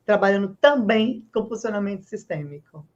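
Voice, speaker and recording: A woman's voice: medium pitch, lively intonation, moderate pace, a little mellow, muffled recording. A woman hosting an interview, speaking in an affirming, conversational way. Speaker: host, doctor. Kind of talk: casual interview talk.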